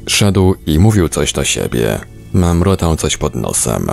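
A man's voice: rumbling low, sing-song, measured pace, gravelly, darkish tone. A man reading a first-person book aloud as scripted narration. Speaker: audiobook reader.

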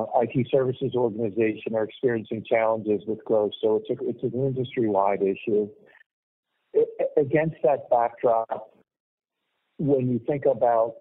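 Man on a narrow phone line. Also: mid-range voice. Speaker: financial analyst asking questions. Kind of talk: formal question-and-answer on earnings call. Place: telephone handset on conference call.

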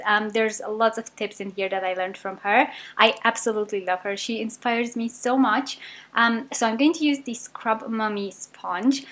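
A young woman with a British accent narrating her cleaning routine in a casual, upbeat voice-over, with frequent ums. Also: mid-range voice. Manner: chatty, upbeat, many ums. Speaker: cleaning vlogger.

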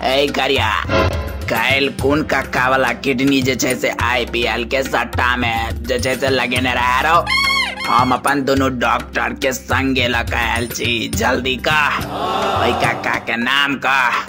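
A man plays a menacing gangster bookie in a comedy cartoon. He is bossy and blustering, issuing demands like orders. Music is clearly audible behind him. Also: medium pitch, level tone, slow, natural voice. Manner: threatening, commanding, blustering. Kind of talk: comedy cartoon villain acting.

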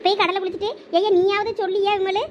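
A woman's voice: very high voice, level tone, fast, highs cut off, background noise. A woman in a village comedy skit, voicing a fretful, superstitious mother who coaxes her son. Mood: pleading. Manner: pleading, coaxing.

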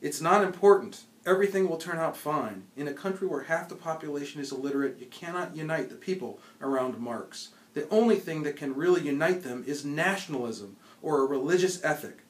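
A man's voice: a little high, brisk, few pauses. An American man in his forties, a professor, reading a book aloud. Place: small indoor office with bookshelves. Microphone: camera a few feet away. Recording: roomy office sound from camera mic.

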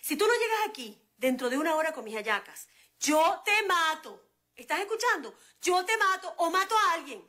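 A woman's voice: high-pitched, unhurried, pauses often. An actress playing a flustered, stressed woman with a Venezuelan accent in a TV comedy-drama. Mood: threatening. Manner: flustered and exclamatory, talks herself calm. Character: frazzled woman on New Year's Eve.

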